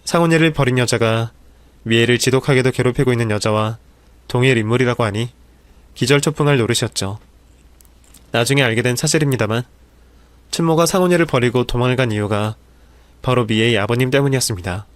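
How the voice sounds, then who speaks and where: A man reading a dramatic real-life story as scripted narration, in a steady telling voice. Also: mid-range voice, fairly quick, long pauses, dry recording.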